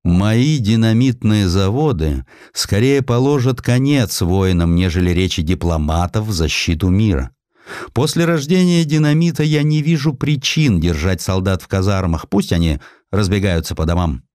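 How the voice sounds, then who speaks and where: A man's voice: lowish voice, expressive, normal speed, a little mellow, dry recording, clean studio sound, close to an everyday voice. A man voicing a proud, misanthropic inventor in an audiobook, speaking in an emphatic, sardonic, declamatory manner. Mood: insistent, proud. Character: proud, misanthropic male inventor, bitter and cynical.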